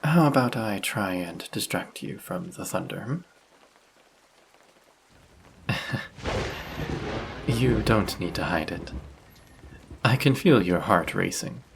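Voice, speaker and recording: Man as gentle caring vampire, unhurried delivery, husky timbre, polite and lightly teasing, intimate audio drama. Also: low voice, expressive, exaggerated voice. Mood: tenderly amused. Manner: polite, soft-spoken, reassuring, gently teasing. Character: friendly, courteous male vampire, gentle and caring stranger. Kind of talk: slow intimate roleplay audio acting. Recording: rain sound effects behind the voice.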